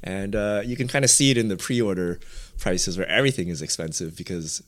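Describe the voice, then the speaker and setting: Male podcast regular, lowish voice, a bit under the weather, matter-of-fact. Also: fairly quick, a bit bright. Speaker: podcast regular, site owner. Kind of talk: casual podcast chat.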